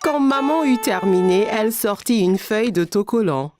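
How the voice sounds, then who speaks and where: A woman narrating a scripted children's story with simple, clear storytelling phrasing. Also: mid-range voice, expressive, moderate pace, over music.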